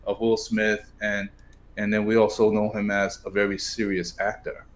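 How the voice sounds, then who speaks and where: A man's voice: on the low side, monotone, normal speed, slight background noise. A man co-hosting a podcast in casual chat, rambling and dropping lots of "you know"s. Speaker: podcast co-host.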